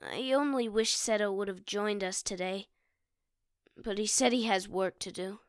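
A woman's voice: mid-range voice, moderate pace, clear, resonant tone, no echo, studio quality, close to an everyday voice. A woman playing a cheeky, playful young boy in a fan audio drama. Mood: wistful.

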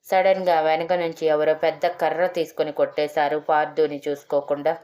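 A woman storyteller reading a scripted love story in a steady voice. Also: low voice, moderate pace.

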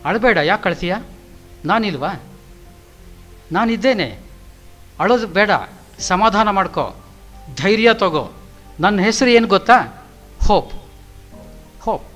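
A man voicing a gentle, comforting candle. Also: high voice, expressive, unhurried, long pauses, soft background music. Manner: soothing, reassuring. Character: gentle candle named Hope, comforting a little girl.

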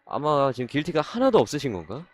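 A man with a slightly high, husky voice talks fast in a casual live stream, reacting to game gacha pulls. He's excitable, shifting from calm explanation to loud, exasperated outbursts, and the recording is dry.

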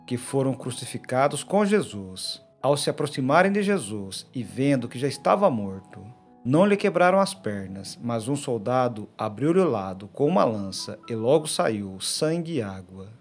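A man reading the daily gospel and a short reflection in a solemn, measured liturgical manner. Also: medium pitch, big pitch swings. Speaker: gospel reader and preacher. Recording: soft instrumental music behind.

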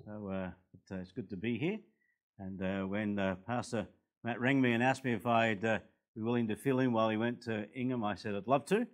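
An older man in his sixties with an Australian accent, a guest preacher at a church pulpit, a little hoarse from a recent cold, building to forceful, emphatic preaching. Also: on the low side, fairly even intonation, fairly quick. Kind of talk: sermon. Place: church hall, indoors. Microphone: pulpit microphones.

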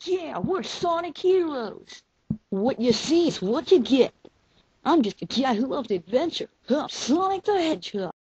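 A woman's voice: sits high, big pitch swings, unhurried, a little mellow, no echo. A woman voicing a cocky, adventurous young male hedgehog hero with confident, punchy delivery in an amateur cartoon audition. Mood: cocky, upbeat. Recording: muffled, noisy handheld game console recording.

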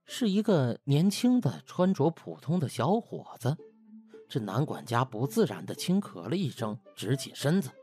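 A man narrating a comic novel in an expressive, colloquial storytelling style. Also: mid-range voice, moderate pace, husky, soft background music. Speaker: audiobook narrator.

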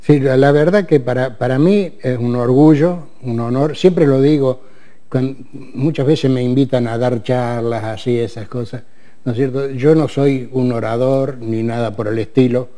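Interviewed casually in a TV studio, a retired military man in his eighties from Córdoba, Argentina, speaks Argentine Spanish hesitantly, with many fillers and restarts. He wears a lapel mic, and his mid-range voice is mellow, steady and at normal speed.

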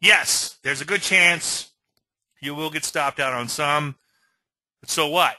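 A middle-aged Cajun man lecturing on trading charts in a folksy, chatty way, tossing in little self-mocking asides. His voice is very bright and forward, close to the mic with a dry, roomless sound. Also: on the high side, slow, dry recording. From Louisiana. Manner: folksy, asks okay often, self-deprecating asides. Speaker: trading educator. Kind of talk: screen-share webinar lecture.

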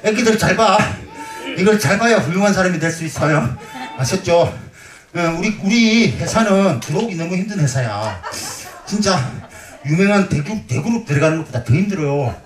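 A man performing as a pumba street entertainer on an outdoor festival stage jokes with and teases the crowd while out of breath. His high-pitched voice has lively intonation and a normal pace, and the roomy, distant recording picks up crowd noise.

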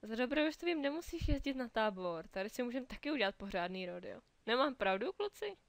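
A bold, upbeat toy space ranger who leads the other toys with rousing commands, as a woman reading a storybook voices him. The voice sits a little high, and the sound is close and dry. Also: sing-song, dry recording. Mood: cheery. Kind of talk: storybook character voice.

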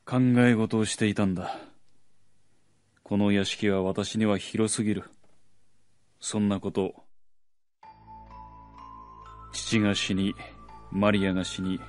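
Guy acting sad gentle lord of the manor, low soft voice, radio drama w music behind. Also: lightly acted. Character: melancholy, gentle nobleman master of a manor.

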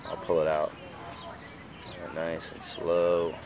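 A man's voice: low voice, monotone, takes it slowly, a crowd in the background. A man filming a casual, rambling walkthrough of his vendor tables at an outdoor street fair on a handheld camera. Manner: chatty, rambling. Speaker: flea market vendor.

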